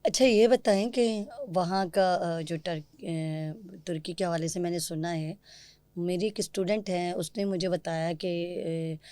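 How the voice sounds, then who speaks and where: Lady podcast host, polite curious questions, lowish mellow voice, dry close sound. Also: fairly even intonation, clear, resonant tone, dry recording. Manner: polite, curious questioning with English words mixed in. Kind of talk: interviewing.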